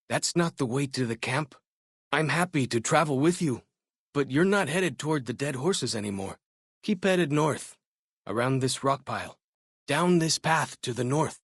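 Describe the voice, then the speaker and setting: Clear-voiced, curious young tribal scout. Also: male voice, medium pitch, no echo, studio quality. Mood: urgent, then welcoming, helpful. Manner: folksy, chatty, inquisitive, easygoing phrasing. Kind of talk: video game companion dialogue.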